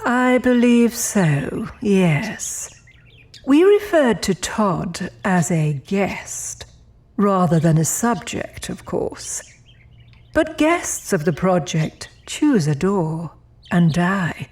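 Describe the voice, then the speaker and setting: An actress playing a serene otherworldly architect in an audio drama, politely cold, formal and measured. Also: female voice, mid-range voice, big pitch swings, darkish tone, full character voice. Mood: cool, composed.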